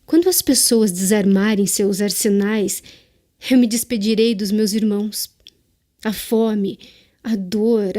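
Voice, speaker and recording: An actress playing Death as a mysterious, tender woman in a radio drama, speaking in a solemn, measured, exhorting way. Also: on the high side, mellow, close to an everyday voice.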